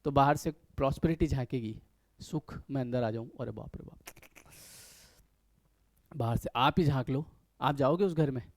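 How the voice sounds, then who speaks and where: A man's voice: medium pitch, fairly quick, no room sound. A man giving a casual motivational talk to viewers as a life coach, speaking in a conversational way and acting out little everyday scenes. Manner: conversational, acts out little scenes in other voices.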